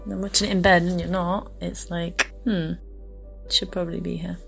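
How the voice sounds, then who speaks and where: Woman, gravelly voice, coy and laughing, casual banter, faint music. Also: lowish voice, flat delivery, normal speed, fairly bright tone.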